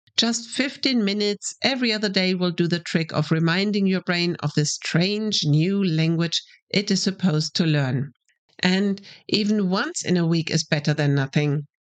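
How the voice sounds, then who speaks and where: Against a quiet background, a woman with a non-native accent speaks at a moderate pace and medium pitch. Her loudness stays very even, with ordinary pitch variation. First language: German. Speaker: German language teacher. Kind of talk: podcast lesson.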